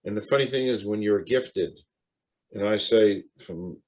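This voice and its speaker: A man hosting an interview, speaking haltingly with many fillers and restarts. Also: lowish voice, darkish tone, poor audio. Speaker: talk show host. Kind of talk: interview conversation.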